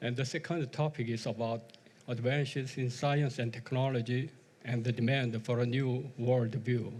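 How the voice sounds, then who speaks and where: Speaking in a monotone with flat intonation, a man at a medium pitch sounds somewhat breathy. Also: moderate pace. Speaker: session chair, professor. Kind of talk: conference moderating.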